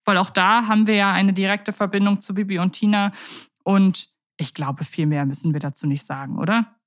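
A woman co-hosts a casual podcast in an easy, conversational tone. Her voice sits in a middle pitch. She talks in a measured way and often stops to rephrase her thoughts mid-sentence. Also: steady tone. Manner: thoughtful, self-correcting, measured. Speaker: podcast co-host. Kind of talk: casual chat about radio plays.

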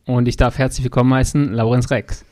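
A man's voice: mid-range voice, flat delivery, a little fast, darkish tone. Chatty male podcast host. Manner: chatty, joking, talks in long anecdotes. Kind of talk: casual interview.

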